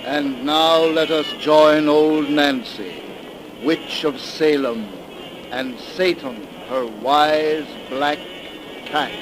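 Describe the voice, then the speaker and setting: A male announcer delivers a formal introduction at a slow, deliberate pace. His tone is solemn and old-fashioned. The old broadcast carries a steady hiss. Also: a little high. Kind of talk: formal 1930s radio announcing. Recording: hissy 1930s radio broadcast recording.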